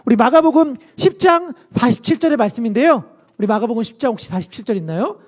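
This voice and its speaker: A male pastor preaching a sermon, telling the story in an animated way and acting out its scenes. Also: very high voice, fast talker.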